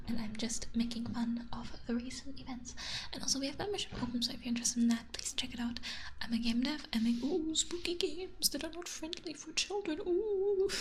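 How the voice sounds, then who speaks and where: A woman chatting informally and casually as an ASMR streamer, in a whispered, giggly manner. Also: sits high.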